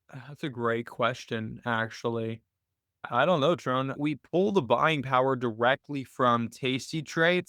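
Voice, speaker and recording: Clear-voiced man explaining casually, dry close sound. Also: medium pitch, bright, forceful tone, dry recording. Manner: conversational, explanatory, thinking aloud. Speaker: host of a trading Q&A call. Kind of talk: casual explanatory screen-share Q&A.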